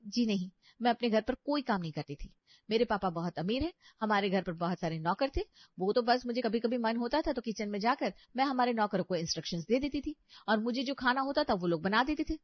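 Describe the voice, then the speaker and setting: A woman's voice: fairly high pitch, expressive, fairly quick, no room sound. A woman voicing a spoiled, haughty young bride in a cartoon story who is rude and sarcastic to her mother-in-law. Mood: dismissive. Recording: dry, slightly dull audio.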